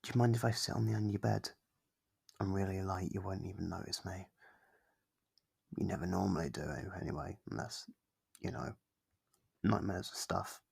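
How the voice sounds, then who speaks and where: Guy doing a sweet shy demon for asmr, deep and super croaky, soft spoken, kinda apologetic and reassuring. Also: steady tone, moderate pace, pauses often, full character voice. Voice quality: low, gravelly, husky. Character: kindly, apologetic sleep paralysis demon, gentle and shy. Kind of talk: ASMR roleplay monologue, soft and close.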